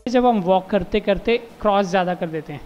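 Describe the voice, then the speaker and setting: A man's voice: high voice, fairly quick, music in the background. A man gives dance notes to young contestants and keeps checking that they understood. The recording is dull and lo-fi. A long hall reverb trails behind each line. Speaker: dance judge. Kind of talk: giving feedback.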